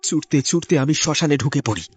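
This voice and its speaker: A man's voice: fairly high pitch, animated, brisk, darkish tone, a little hiss or hum. A man narrating a horror cartoon in the first person, in a tense, dramatic storytelling manner. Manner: tense, storytelling delivery with sudden rises.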